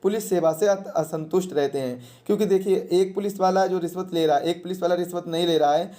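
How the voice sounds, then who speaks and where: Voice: medium pitch, a little fast, dark tone. A teacher giving a question-and-answer exam lesson in a didactic way, repeating questions and answers and posing rhetorical questions.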